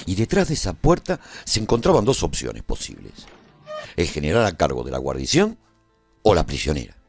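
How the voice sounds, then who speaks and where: A man's voice: deep voice, wildly swooping pitch, normal speed, creaky, dry recording, soft background music, exaggerated voice. A man playing a battle-seasoned adventurer, narrating his story in a scripted, dramatic first-person radio serial style. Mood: dramatic, solemn.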